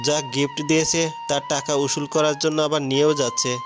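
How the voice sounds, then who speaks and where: A man's voice: a little high, flat delivery, fairly quick, close to an everyday voice. A man reading the part of a joking, mocking young male friend, with music behind.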